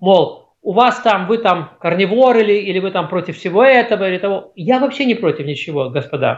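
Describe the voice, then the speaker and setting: With hardly any pauses, a man talks at a fairly quick pace in a high pitch with lively intonation. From Russia. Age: 60s. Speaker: nutrition author and health consultant. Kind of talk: interview Q&A.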